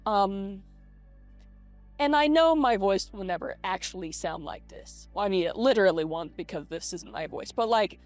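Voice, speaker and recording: A woman talking casually and haltingly in a personal vlog, reflecting as she goes, her voice processed by a voice changer to sound more feminine. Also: medium pitch, expressive. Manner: hesitant, halting, self-reflective. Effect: voice changer making the voice feminine. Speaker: vlogger. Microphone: webcam setup. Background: lo-fi video game music.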